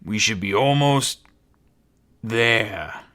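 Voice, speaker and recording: A woman voicing a towering, gruff male orc warrior who barks and growls his coarse orders. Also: extremely low pitch, expressive, extremely slow, fairly bright tone, pitched below the performer's own voice, heavily acted. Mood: gruff, irritated.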